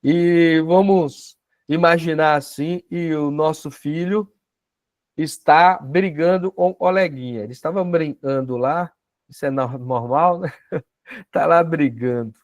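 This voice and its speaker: Brazilian male teacher, slightly high voice, dry close sound, chatty, asks the room questions. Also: measured pace, dry recording. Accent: Brazilian Portuguese. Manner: conversational, tag questions, acts out dialogues. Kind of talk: spiritual self-knowledge class.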